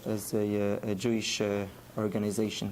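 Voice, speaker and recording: In an Israeli accent, a man speaks at medium pitch and a fairly slow pace, with audible room echo. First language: Hebrew. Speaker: rabbi. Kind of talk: lecture. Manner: halting, many fillers.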